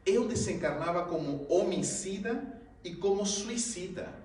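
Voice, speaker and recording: Male lecturer telling a funny story, high and very animated, acting out his shouts, recorded from a distance in a reverberant hall. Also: a little slow, a little hiss or hum. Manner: lively, acts out his own shouts and gasps, laughs often. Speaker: spiritist lecturer. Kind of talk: public talk, humorous storytelling. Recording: very echoey hall, mic at a distance.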